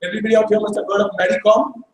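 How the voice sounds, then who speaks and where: A man's voice: sits high, level tone, rapid-fire, lo-fi sound, a little hiss or hum. A man hosting a live stage event, introducing performers in a chatty, joking way with hesitant fillers. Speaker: event host. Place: live arts festival stage. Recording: echoey hall from far off.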